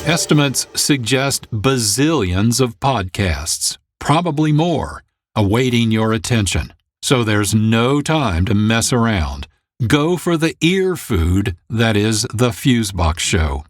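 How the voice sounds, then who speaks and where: Brisk male radio host. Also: mid-range voice, sing-song, dry recording. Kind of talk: scripted announcing.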